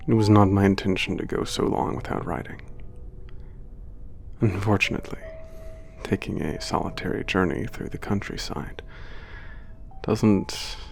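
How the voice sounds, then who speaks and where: A man playing an old, gentle, reflective giant, speaking in a measured, formal way as in an ASMR letter home. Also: sits low, gravelly, faint music behind. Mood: wistful, measured. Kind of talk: ASMR letter narration and roleplay.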